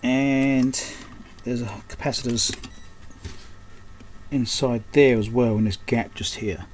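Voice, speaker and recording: Working at an indoor electronics repair bench, the technician and host offers unscripted commentary, thinking aloud in brief muttered bits. His mid-range voice is steady and slow, and there is slight background noise.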